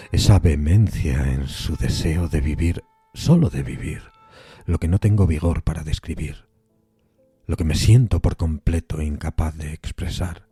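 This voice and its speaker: A man's voice: very deep voice, mellow. A man narrating a Gothic horror story from a script in a solemn, brooding, theatrical way. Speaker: narrator of a literary horror podcast. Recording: music under the voice. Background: music.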